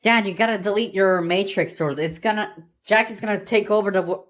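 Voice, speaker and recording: A woman's voice: mid-range voice, brisk, close to an everyday voice. A woman voicing a blunt, sassy teenage heroine in a fan parody cartoon dub. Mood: urgent.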